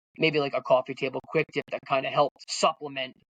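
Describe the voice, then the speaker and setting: This man with an American accent talks at a very fast pace in a fairly high pitch and a monotone, flat intonation, the sound dry and close with no echo. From Connecticut. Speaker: firefighter and fire service instructor. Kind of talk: casual interview chat. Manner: halting, frequent fillers and restarts.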